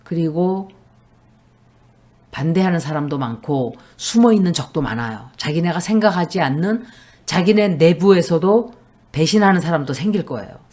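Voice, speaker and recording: Low-voiced woman reading tarot. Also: lively intonation, normal speed, darkish tone. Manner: blunt, emphatic predictions. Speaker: tarot reader.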